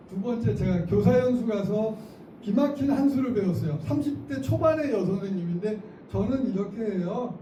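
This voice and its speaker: Lively man lecturing in an echoey hall. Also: sits high. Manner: lively, acts out classroom lines, laughs often. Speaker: teacher trainer. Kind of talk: lecture to teachers. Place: school auditorium. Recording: echoey hall, mic from far off, noisy.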